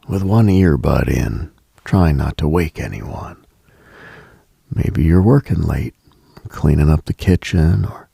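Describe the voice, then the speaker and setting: A man hosting a late-night radio show, speaking in a hushed, intimate, contemplative monologue with long pauses and a husky, breathy edge. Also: low-pitched, dry recording, clean studio sound.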